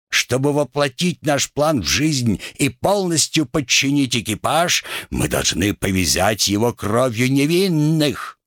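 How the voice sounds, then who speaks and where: A man voicing a sinister male first mate with an eerie, hoarse voice. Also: lowish voice, fairly bright tone, dry recording, clean studio sound, pitched above the performer's own voice, exaggerated voice.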